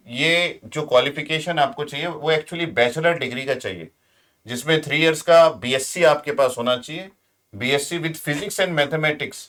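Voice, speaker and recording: An Indian man with a slightly high voice speaks as a teacher to his students. He explains things informally and step by step, slipping English phrases into his sentences as he goes. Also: a bit bright. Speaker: exam-prep teacher.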